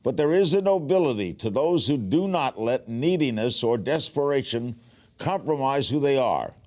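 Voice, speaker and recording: A man's voice: mid-range voice, lively intonation, moderate pace, a little mellow. Male reader for a motivational manifesto, average register.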